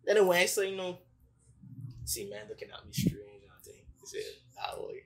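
A man's voice: sits high, big pitch swings, normal speed. A man co-hosting a podcast, telling a story in casual chat and acting out the people he quotes. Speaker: podcast co-host.

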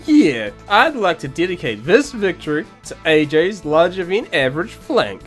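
A woman's voice: fairly low pitch, big pitch swings, normal speed. A woman voicing a cocky young female pegasus athlete, swaggering and taunting, in a cartoon parody. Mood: boastful. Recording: music behind.

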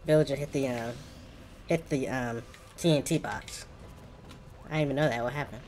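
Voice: mid-range voice, moderate pace, darkish tone, slight background noise. A gaming streamer with an African American accent, giving casual, colloquial gameplay commentary and reacting as they play. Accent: African American English.

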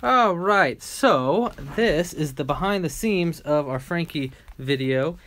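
A man's voice: on the high side, expressive, slow pace, fairly bright tone. A man chatting casually and a little hesitantly as he shows behind the scenes. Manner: hesitant, informal. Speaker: puppeteer showing behind the scenes.

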